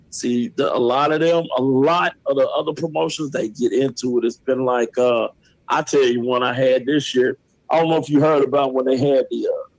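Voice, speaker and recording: A man calling in to a show, telling stories casually in animated, colloquial and boastful slang. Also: medium pitch, no echo, rough recording. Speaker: caller to the show, a ring announcer. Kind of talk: casual chat and storytelling. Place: on a call to a show.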